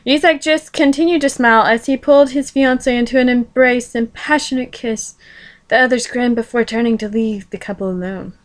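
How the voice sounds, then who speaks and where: A woman's voice: on the high side, brisk. A woman reading fan fiction aloud in a casual style, breaking in with informal, jokey asides and swearing. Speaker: fan fiction reader and commentator. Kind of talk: casual read-aloud with running commentary.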